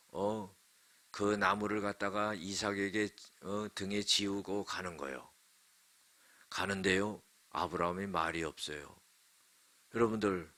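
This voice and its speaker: A man's voice: on the low side, a bit bright. A male pastor preaching a sermon, telling the story dramatically and emphatically while addressing the congregation.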